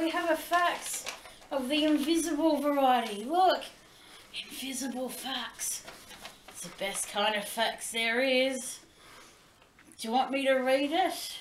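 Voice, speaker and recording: This woman's voice sits high in pitch and moves at a very slow pace. Light background noise and audible room echo are present. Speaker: comedic vlogger. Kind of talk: playful comedic skit chat. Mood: playful, mock-serious. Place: kitchen. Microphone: camera far.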